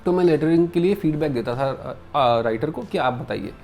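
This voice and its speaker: A man's voice: fairly high pitch, expressive, moderate pace, a little mellow, soft background music. A man being interviewed as a comics publisher and letterer, speaking candidly and reflectively and mixing English phrases into his speech. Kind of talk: casual interview conversation.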